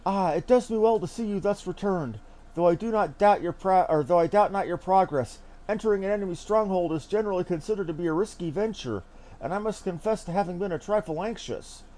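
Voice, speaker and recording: A man's voice: high-pitched, fairly quick, a little mellow, voice pushed up, close to an everyday voice, rough recording. A man voicing a formal, courteous young noble commander from a fantasy game, with eloquent old-fashioned diction. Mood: relieved, grateful. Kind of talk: reading fantasy game dialogue aloud in character.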